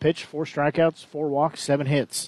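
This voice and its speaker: A man speaks at a fairly quick pace with a fairly high pitch, in a normal speaking voice. The recording is dry and close, with no echo. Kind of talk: live baseball play-by-play commentary.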